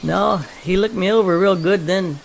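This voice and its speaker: A very gravelly, fairly high male voice over faint outdoor nature sounds. It is a man acting as a young outdoorsman in an audio drama, folksy and wry, talking like someone still a bit shaken. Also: moderate pace, a little hiss or hum, low-quality recording. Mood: wry, rattled. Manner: wry, folksy, plain-spoken. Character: young outdoorsman captain, shaken but wryly humorous.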